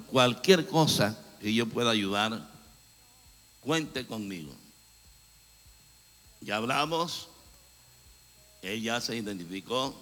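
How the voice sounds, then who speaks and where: Pastor guy, bright punchy voice, big echoey church. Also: mid-range voice. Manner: fervent preacher addressing congregation as brothers. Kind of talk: church announcements and exhortation. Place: church hall. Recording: long reverb of a church hall.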